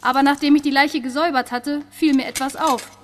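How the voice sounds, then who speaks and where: A woman playing a brisk, dryly teasing forensic pathologist in a crime audio drama, with a clinical manner. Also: sits high, fairly even intonation, a little hiss or hum, lightly acted.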